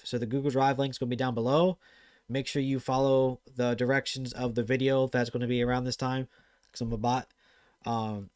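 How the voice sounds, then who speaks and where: Male gaming host, fast and excitable, average pitch, dead-dry room sound. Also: clear, resonant tone, dry recording. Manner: excitable and fast-talking, with many fillers. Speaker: gaming channel host reviewing viewer clips. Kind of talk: casual commentary over gameplay clips.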